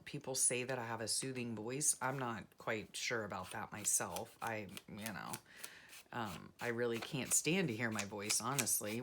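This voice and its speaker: A woman vlogger chatting casually and rambling softly while she works on a journal craft. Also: a bass voice, noisy background. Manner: soft-spoken, rambling, self-deprecating, many fillers. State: frog in her throat.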